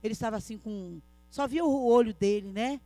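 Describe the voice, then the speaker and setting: Middle-aged woman, church testimony, rapid earnest delivery, speaks directly to the congregation. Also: on the high side, warm tone, dry recording. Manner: earnest storytelling, often addressing listeners as brother.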